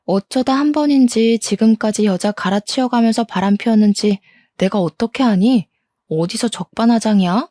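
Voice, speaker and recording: A woman voicing a betrayed wife confronting her cheating husband with indignant, sharp words. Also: on the high side, normal speed, no room sound, clean studio sound, lightly acted.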